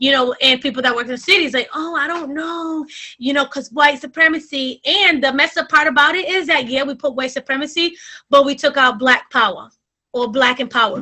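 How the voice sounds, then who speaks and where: A woman with a high pitch talks fairly quickly, her pitch varying in an ordinary way. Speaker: community organizer. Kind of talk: panel discussion. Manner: fast.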